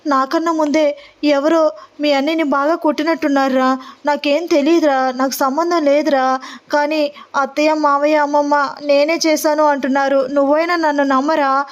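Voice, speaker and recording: A woman's voice: high-pitched, flat delivery, normal speed, lo-fi sound, pitched above the performer's own voice, lightly acted. A woman doing a fiery, defiant young woman. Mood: pleading. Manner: bold and confrontational.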